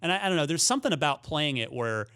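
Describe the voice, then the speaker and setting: A man's voice: a little high, very animated, fast, fairly bright tone, clear, resonant tone. A man chatting casually about video games on a panel show, often restarting and rephrasing as he goes. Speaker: podcast panel host.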